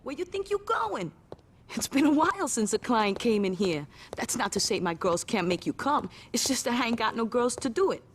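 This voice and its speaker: A woman's voice: a little high, slight background noise, close to an everyday voice. An actress playing a sassy, slangy Latina street woman in a video game.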